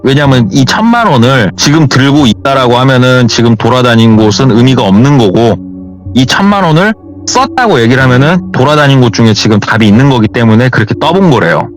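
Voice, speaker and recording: A man's voice: mid-range voice, animated, brisk, soft background music. A man telling a true horror story on a radio show, retelling it casually in reported speech.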